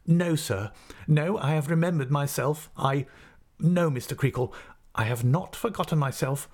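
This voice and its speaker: A man's voice: on the high side, big pitch swings, fairly quick, a little mellow, pitched above the performer's own voice. A man voicing an anguished, indignant schoolmaster in a storybook, tremulous and formal, stumbling with agitation. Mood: agitated, pleading. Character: anguished adult male schoolmaster, indignant, trembling, wounded dignity.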